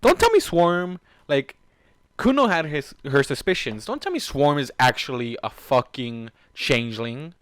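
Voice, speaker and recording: A man's voice: a little high, very animated, unhurried, fairly bright tone, dry recording. A man reading fan fiction aloud and breaking off for incredulous, sweary, casual commentary.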